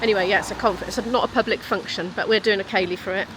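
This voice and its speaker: A British woman, a vlogger and musician, chats casually to a handheld camera, rambling cheerfully with asides, first at a venue cafe and then at home. She talks very fast in a medium pitch with fairly even intonation. The room is echoey and the background noisy.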